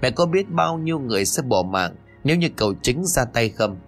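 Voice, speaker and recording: A man's voice: mid-range voice, very animated, fairly quick, faint music behind. A man playing an angry, impatient young man who argues curtly with his mother. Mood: irritated. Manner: curt and irritated.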